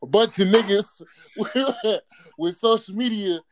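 A man's voice: high voice, measured pace, a crowd in the background. A man with an African American accent co-hosting a podcast in casual, boisterous, joking banter full of swearing. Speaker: podcast co-host.

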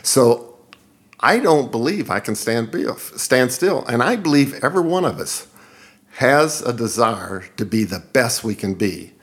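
A man in his seventies talks earnestly in an interview, reflective and quick to laugh. His voice sits at a middle pitch. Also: animated, fairly bright tone. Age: 70s. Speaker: guest. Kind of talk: interview conversation.

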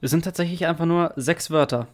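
A man's voice: fairly high pitch, brisk, darkish tone. A man co-hosting a casual podcast chat, laid-back with a dry sense of humor as he tries tongue twisters. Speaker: podcast co-host.

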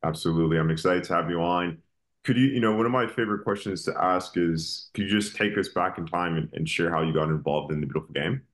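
A man's voice: low-pitched, fast. A man hosting an interview, introducing his guest and asking questions in an upbeat, conversational way. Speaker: podcast host.

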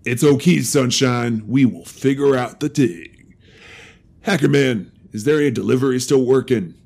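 Big friendly troll, husky and gravelly, folksy broken grammar, cyberpunk radio play. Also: male voice, mid-range voice, moderate pace, a little mellow. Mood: easygoing, reassuring. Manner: folksy broken grammar, third-person self-reference. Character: big male troll shadowrunner philosopher, friendly, simple-spoken. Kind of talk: cyberpunk audio drama acting.

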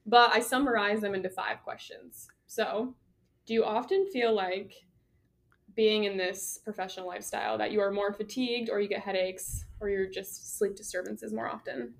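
A woman's voice: mid-range voice, steady tone, normal speed, creaky. A young woman in her twenties hosting a podcast, chatting casually, swearing freely and laughing often. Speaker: podcast host. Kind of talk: casual chat.

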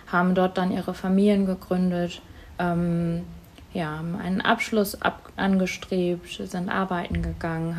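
A woman with a slightly low voice, interviewed for a school project. Her first language is Tamil. She answers calmly and thoughtfully, pausing often to find her words. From Germany. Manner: thoughtful, many hesitations.

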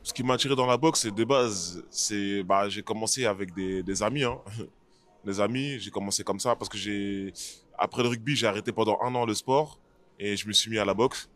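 A man's voice: on the low side, moderate pace, a bit bright. A man who is an MMA fighter, answering interview questions casually and hesitantly, with many fillers and restarts. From France.

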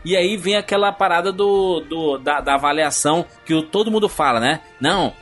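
A man with a Brazilian accent co-hosting a podcast about film, talking in an animated, opinionated way with frequent restarts. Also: fairly high pitch, fairly quick, faint music behind. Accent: Brazilian Portuguese. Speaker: podcast co-host. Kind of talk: casual film discussion.

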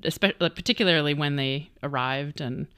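A woman co-hosting a podcast, bubbly and giggly, reacting quickly in casual chat. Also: low voice, fairly bright tone, smooth, dry recording, clean studio sound. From Canada. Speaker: podcast co-host.

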